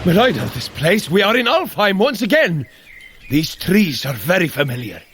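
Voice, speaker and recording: Steadfast warrior of Asgard, slightly high voice, animated intonation, earnest old-fashioned speech, audio drama over music. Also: male voice, normal speed, slight background noise. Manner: formal, archaic, earnest.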